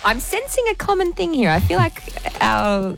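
A woman's voice: sits high, big pitch swings, gravelly, soft background music. Bubbly Australian woman radio co-host. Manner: enthusiastic, quick to gush and laugh. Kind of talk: upbeat radio banter.

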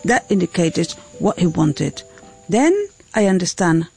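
A woman voicing a translation in the first person, in a gentle, even delivery. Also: lowish voice, unhurried, creaky, faint music behind. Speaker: voice-over interpreter.

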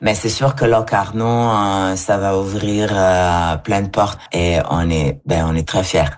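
A woman film producer speaks in a measured way with a few hesitations. Her voice is strikingly deep for a woman. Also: fairly even intonation, darkish tone. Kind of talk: interview clip.

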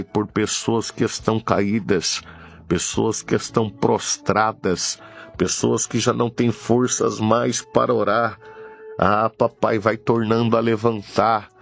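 A man leads a fervent prayer in a slow, unhurried cadence. His low voice has a gravelly edge, and he keeps circling back to the same pleading invocations. Faint music plays underneath. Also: little pitch movement. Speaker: prayer leader. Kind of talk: fervent late-night prayer.

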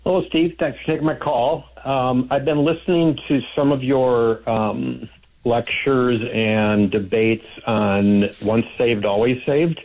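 Male radio caller, slow hesitant phone voice, tinny line, casual question. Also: mid-range voice, fairly even intonation. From Minnesota, USA. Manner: hesitant, many fillers.

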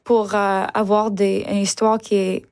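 Anglophone actress in halting French. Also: female voice, mid-range voice, level tone, darkish tone, clean tone. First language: English. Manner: halting French mixed with English words. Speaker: musical theatre actress. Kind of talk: interview.

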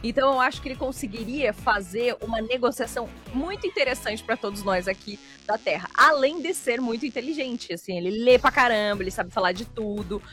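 A woman's voice: a little high, brisk, few pauses, a bit bright, faint music behind. A young woman co-hosting a casual chat, earnestly explaining her ideas. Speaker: co-host.

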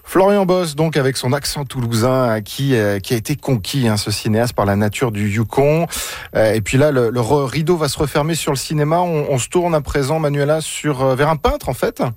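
A man's voice: mid-range voice, a little fast, a little mellow, dry recording, clean studio sound. A man from Paris hosting a radio culture segment, jovial, laughing often, with hesitant fillers. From Paris, France. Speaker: radio host.

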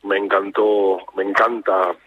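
A man with an Argentine accent, a national hockey coach, speaking calmly and reflectively in a radio phone interview, with many restarts. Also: fairly low pitch, a little slow. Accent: Argentine Spanish. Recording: tinny phone line with faint noise.

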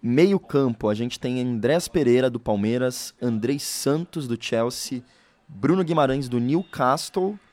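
A man, a radio co-host, reading out a long list of names in a steady, brisk way. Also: medium pitch, no room sound.

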